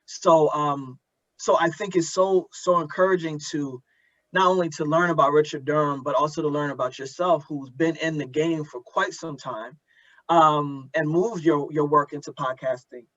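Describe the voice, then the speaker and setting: Male interviewer, fairly high-pitched, earnest and halting, recorded dry and a bit muffled. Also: fairly even intonation, a bit bright, dry recording. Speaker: podcast host, interviewer. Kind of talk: thoughtful conversational interview.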